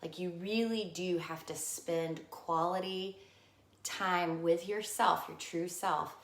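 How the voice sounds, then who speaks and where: A woman co-hosting a live show, talking in a soft, reflective and encouraging way. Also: fairly low pitch, fairly even intonation, takes it slowly. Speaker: co-host. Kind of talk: casual chat. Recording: echoey room.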